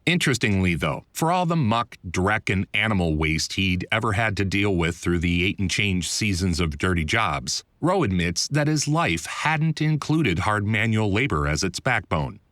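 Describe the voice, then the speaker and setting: A man's voice: on the low side, sing-song, moderate pace, few pauses, a bit bright, dry recording. A man reading his own nonfiction audiobook in a conversational, wry and articulate way, close on a studio mic. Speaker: author reading own audiobook, voiceover producer. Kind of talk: scripted audiobook narration. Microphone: close studio voiceover mic.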